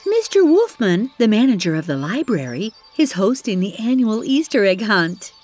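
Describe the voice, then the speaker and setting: A woman's voice: medium pitch, very animated, normal speed, a little mellow. A woman playing a perky, friendly storyteller who hosts a children's cartoon and exclaims to young listeners. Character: perky, friendly female storyteller and race announcer. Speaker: host and narrator. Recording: music behind the voice.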